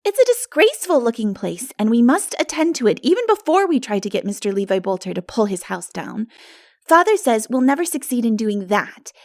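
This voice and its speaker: A woman voicing a practical, excitable young girl in an animated, emphatic audiobook reading. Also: fairly high pitch, brisk, dry recording, clean studio sound. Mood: chatty, eager. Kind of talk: dramatic audiobook character reading.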